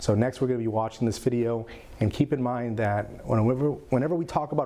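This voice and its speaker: Over noticeable background noise, a man in a Spanish accent speaks at medium pitch and a moderate pace with ordinary pitch variation. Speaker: school district administrator, event co-host. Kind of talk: virtual gala hosting.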